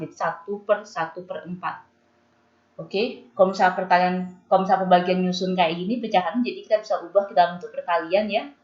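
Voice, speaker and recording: A young woman tutoring a calculus problem step by step, patient and slowing down when she reads out formulas. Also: on the low side. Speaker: math tutor. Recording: echoey room, dull lo-fi sound.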